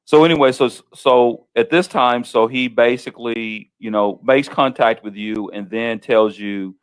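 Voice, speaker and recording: A man's voice: medium pitch, a little slow, clear, resonant tone, low-quality recording. A middle-aged man conducting an interview, asking long leading questions with frequent restarts and checks like "right?". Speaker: interviewer, host.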